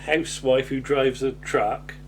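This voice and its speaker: A man's voice: medium pitch, steady tone, measured pace, slight background noise. A man chatting casually as he reviews an episode, hesitant and rambling, often ending on tag questions. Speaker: podcast host.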